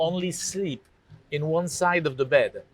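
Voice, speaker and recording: A fairly high-pitched man with a French accent, ordinary pitch variation and a moderate pace. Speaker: hotel executive. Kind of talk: interview. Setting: trade show. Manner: halting.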